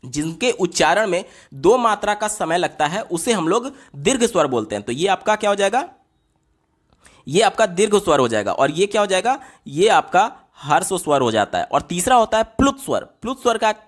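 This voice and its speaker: Male tutor, fairly high voice, patient step-by-step exam-paper explainer who checks in with "theek hai?". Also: big pitch swings, moderate pace. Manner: explains step by step, asks and answers his own questions, repeats "theek hai?"; writes on a board while explaining. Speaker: teacher solving exam papers.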